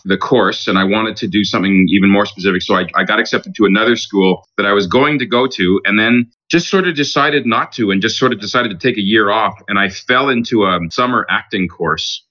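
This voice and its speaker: A stage actor talks easily about his career, laughing now and then as he tells stories. His voice sits a little low but rings bright and forceful. The sound is dull and lo-fi. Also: brisk, hardly any pauses. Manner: relaxed, reflective storytelling with easy laughs. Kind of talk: conversational interview.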